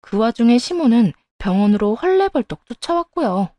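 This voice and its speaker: A woman narrating a personal family story in a calm, scripted storytelling voice. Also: on the high side, normal speed, no room sound.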